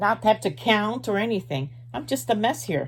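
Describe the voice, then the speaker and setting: With vocal fry and a very deep, low pitch, a woman talks at a moderate pace. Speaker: crochet vlogger, cancer patient. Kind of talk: casual craft vlog to camera. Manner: halting, with many fillers.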